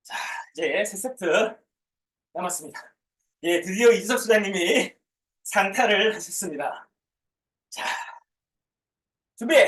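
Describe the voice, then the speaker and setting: A woman working as a gym coach, leading a group workout with counted reps and short commands. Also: mid-range voice. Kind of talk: live workout class with counted reps and cues. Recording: echoey room, far from the mic.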